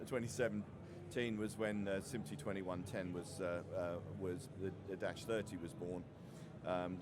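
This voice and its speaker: A middle-aged man giving a technical slide presentation, halting and often repeating words as he goes. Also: deep voice. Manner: hesitant, halting delivery with frequent stumbles and repeated words. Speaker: industry conference presenter. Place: open presentation area at a trade show. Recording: noisy busy trade show floor.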